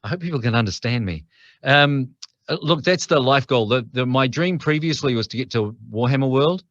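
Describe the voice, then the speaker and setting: A man's voice: medium pitch, brisk, fairly bright tone, dry recording. New zealand guy guesting on a podcast, chatty, lots of restarts, dry muffled audio. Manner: chatty storyteller, frequent restarts. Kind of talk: casual interview chat.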